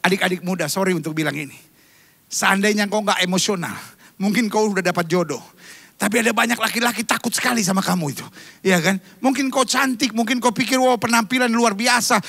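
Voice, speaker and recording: A high-voiced man preaches with gravelly, bright force into a close microphone. His voice sounds a little strained from coughing, and he swings between joking asides and sudden shouts. The sound is dry. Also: fast, dry recording. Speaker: pastor. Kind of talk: sermon. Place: church stage.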